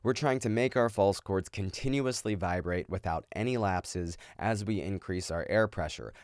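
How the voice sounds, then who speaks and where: A man's voice: lowish voice, darkish tone, no room sound, clean studio sound. A man giving instructional narration as a vocal coach, explaining exercises in a casual, step-by-step way.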